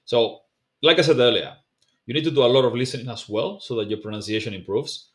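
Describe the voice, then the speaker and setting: A man whose first language is not English, explaining a language practice method to camera in a relaxed, conversational way with frequent fillers and self-corrections. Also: medium pitch, fast. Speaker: language teacher. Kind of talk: casual explainer video, talking to camera.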